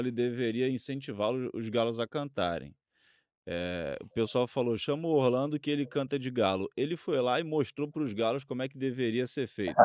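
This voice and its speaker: A Brazilian man hosting a conversational interview, feeling his way deliberately through his questions. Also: mid-range voice, darkish tone, a little hiss or hum. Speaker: interviewer, host.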